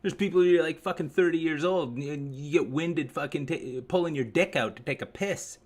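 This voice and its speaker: A man's voice: fairly high pitch, normal speed, darkish tone. Profane, grumbling streamer man. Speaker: livestream host. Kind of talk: rambling live-stream chat to viewers.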